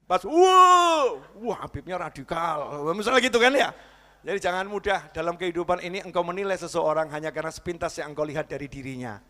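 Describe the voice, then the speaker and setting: Animated high-voiced male preacher, echoey hall. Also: fast. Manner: animated, acting out voices and sometimes shouting. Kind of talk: sermon. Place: large mosque hall.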